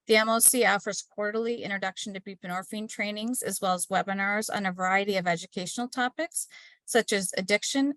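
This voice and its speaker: A woman hosting a webinar on a video call, reading housekeeping notes and a speaker introduction from a script. Her pitch sits in the middle range, and her voice is dry and close on a computer microphone, with no room sound. She keeps an even, steady pace and stumbles now and then over a word. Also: dry recording. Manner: scripted, steady delivery with small slips. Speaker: webinar host.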